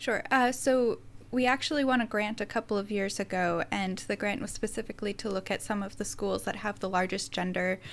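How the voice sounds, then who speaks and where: Using a normal speaking voice, a woman with an American accent talks at medium pitch and a fairly quick pace with hardly any pauses and fairly even intonation, on a very clean recording with a silent background. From United States. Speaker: university project coordinator and researcher. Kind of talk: podcast interview.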